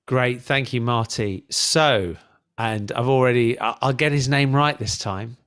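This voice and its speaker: A man with a medium-pitched voice hosts an online panel. He chats casually as he hands over from one person to the next. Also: a little slow, fairly bright tone, clean tone. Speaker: host.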